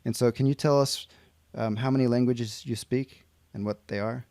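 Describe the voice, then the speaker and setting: A man's voice: medium pitch, steady tone, moderate pace, warm tone, no room sound. An American man hosts a casual podcast interview, restating his guest's points and working in plenty of "um"s. The sound is dry and close, with no room around it. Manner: friendly, recaps answers, many fillers. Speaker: podcast host.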